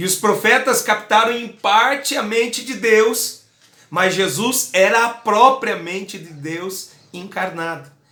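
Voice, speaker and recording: Using a raised, projected voice with big swings in loudness, a man with a Curitiba accent speaks at a very slow pace in a high pitch with ordinary pitch variation. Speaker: pastor. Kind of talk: bible study teaching. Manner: conversational, with filler words.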